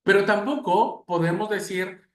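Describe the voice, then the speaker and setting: Man, preaching instructor, animated storytelling, fairly high voice, echoey room. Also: normal speed. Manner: animated storytelling with many fillers. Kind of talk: teaching a class on preaching.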